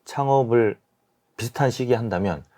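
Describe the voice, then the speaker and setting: A man in his forties giving measured, softened explanations as an expert guest in a radio interview. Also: medium pitch, soft background music. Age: 40s. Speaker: guest, small-business expert and YouTuber. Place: radio studio.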